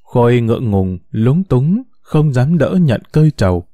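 A man narrating a story in an expressive, emotive way. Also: medium pitch, measured pace, no echo.

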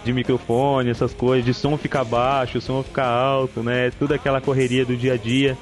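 A man's voice: medium pitch, little pitch movement, fairly quick. A young Brazilian man with a Brazilian Portuguese accent, co-hosting and editing a podcast in laid-back, slangy chat. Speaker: podcast co-host and editor. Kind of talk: casual chat. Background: faint guitar music.

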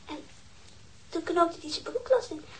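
A woman's voice: extremely high pitch, expressive, unhurried. A woman playing a candid, chatty little girl in a radio drama, telling things eagerly in a hesitant childlike way. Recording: noisy old radio drama recording.

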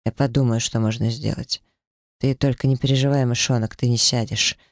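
A man's voice: mid-range voice, steady tone, brisk, dry recording, studio quality, natural voice. A man voicing a protective middle-aged father who speaks steadily and reassures his daughter in an audiobook. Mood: reassuring.

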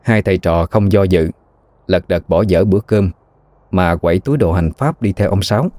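A man narrating a ghost story in a steady, even storytelling manner. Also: low-pitched, normal speed, dry recording.

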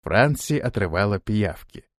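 Expressive male audiobook narrator. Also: on the low side, a little slow, no room sound, studio quality. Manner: expressive storytelling. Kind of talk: scripted narration.

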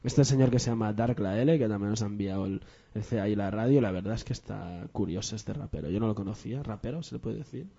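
A man's voice: lowish voice, fast talker, gravelly, hardly any pauses, mellow, slightly rough. A man with a Catalan accent hosting a radio show in a loose, chatty way with plenty of fillers. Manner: loose and chatty, switches between Catalan and Spanish, many fillers. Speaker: radio host. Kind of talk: casual radio chat. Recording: dull lo-fi radio recording.

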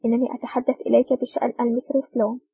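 A woman reading the lines of a gruff, angry male foreign buyer in an audiobook, growling and impatient. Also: extremely high pitch, completely flat delivery, racing, no echo, highs cut off, heavily acted. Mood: irritated.

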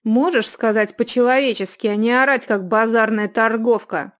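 A woman's voice: medium pitch, moderate pace, dark tone, lightly acted. A woman reader voicing an indignant, sulky young man who has been posing as a lady.

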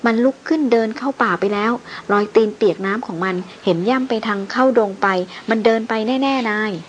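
A woman voicing a panicked male jungle guide who shouts and gasps in fright. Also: medium pitch, brisk, highs cut off, slight background noise, natural voice.

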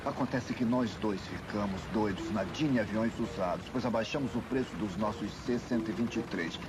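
An actor playing a cocky, scheming smuggler pilot in a dubbed action comedy film. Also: male voice, lowish voice, normal speed, noisy background, lightly acted. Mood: cocky, persuasive.

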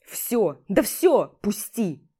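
A woman's voice: medium pitch, expressive, moderate pace, mellow, natural voice. A woman reading an audiobook voices a hot-headed young male sniper who snarls defiantly in a brawl.

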